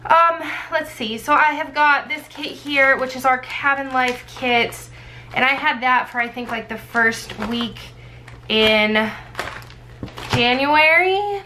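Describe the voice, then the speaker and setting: Hoarse, higher-pitched woman vlogging. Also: takes it slowly, sharp tone, poor audio. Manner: rambling, thinking aloud. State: sick, losing her voice. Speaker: planner vlogger and sticker shop owner. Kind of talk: casual chatty plan-with-me vlog. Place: indoors at a desk. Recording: clear background noise.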